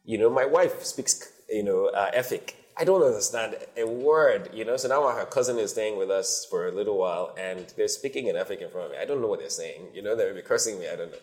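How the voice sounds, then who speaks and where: A man from Nigeria, a company founder, answering interview questions in a measured, thoughtful way with frequent pauses. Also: lowish voice, animated, a little mellow. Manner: measured, thoughtful, many ums.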